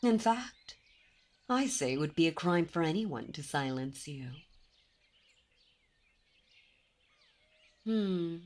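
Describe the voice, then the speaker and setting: A woman's voice: lowish voice, lively intonation, darkish tone. A woman playing a haughty, seductive demon princess. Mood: teasing. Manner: teasing, imperious, slow and intimate. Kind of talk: ASMR roleplay audio.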